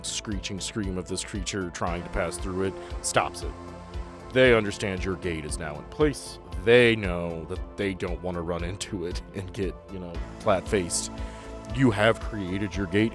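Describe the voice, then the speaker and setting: A man acting as game master, narrating and making rulings in a casual, easygoing, conversational way. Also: deep voice. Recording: music playing under the voice.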